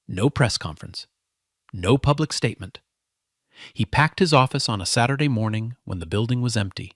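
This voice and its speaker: A man's voice: mid-range voice, fairly bright tone, dry recording, clean studio sound. Man narrating a story in dramatic phrases.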